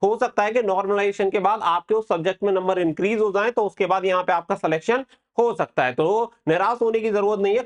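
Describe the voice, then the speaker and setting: A man hosting an exam-prep update, explaining things to students step by step and repeating key points. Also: high-pitched. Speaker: exam-prep channel host.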